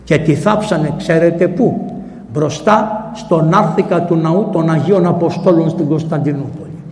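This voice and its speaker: A man, a priest, giving a sermon in a church and retelling a story in lively, colloquial language. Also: fairly high pitch. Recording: echoey church with long reverb.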